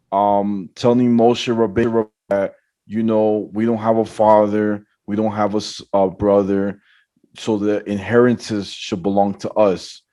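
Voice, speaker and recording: A man's voice: lowish voice, warm tone. A man hosting a podcast, asking questions in a friendly, enthusiastic way. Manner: enthusiastic, repeats his praise. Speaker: podcast host. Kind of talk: casual interview questions.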